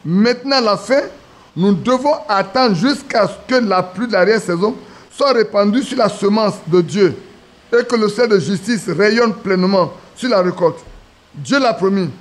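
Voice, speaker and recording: High-voiced preacher man. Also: normal speed. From Ivory Coast. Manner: storytelling with acted quotes, restarts. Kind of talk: sermon.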